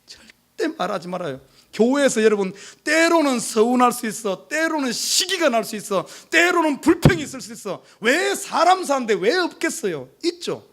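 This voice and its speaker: A male pastor preaching to his congregation, emphatic, with many rhetorical questions, swinging from urgent pleas to hushed asides. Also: extremely high pitch, big pitch swings, normal speed. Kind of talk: sermon. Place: church service.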